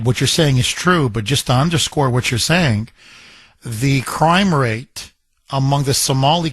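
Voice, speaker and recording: On his call-in radio program, a talk show host with a medium-pitched, slightly bright voice goes on the attack, emphatic and full of scorn through his monologue and calls. The recording is dry.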